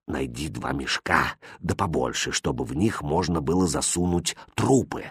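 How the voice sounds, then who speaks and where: A man voicing a greedy innkeeper who fusses over his guests with sugary, ingratiating flattery. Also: mid-range voice, moderate pace, no echo, studio quality. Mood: whispering. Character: fawning greedy innkeeper, male, middle-aged.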